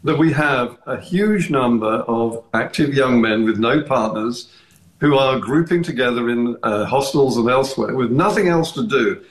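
Deliberate man on an echoey line. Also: mid-range voice. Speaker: studio guest. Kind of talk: radio discussion. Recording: roomy echo.

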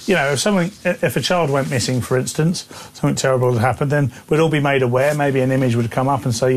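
A man's voice: mid-range voice, slight background noise. A man co-hosting a radio show, bantering with dry jokes. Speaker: radio co-host. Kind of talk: casual radio chat.

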